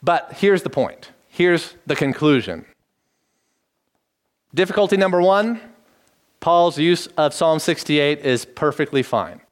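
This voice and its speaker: A middle-aged man preaching, teaching in a measured tone and lifting his voice to stress key phrases. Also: on the high side, expressive. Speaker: pastor. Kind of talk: expository sermon.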